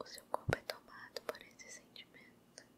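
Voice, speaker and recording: A woman whispers in a soft-spoken way. Noticeable background noise sits behind her. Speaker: relaxation video creator. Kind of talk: guided meditation narration. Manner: soft whispered meditation voice. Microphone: studio mic.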